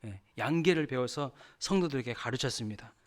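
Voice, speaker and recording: A man's voice: mid-range voice, lively intonation, a little fast. A male pastor giving a sermon, telling a story and asking the congregation questions.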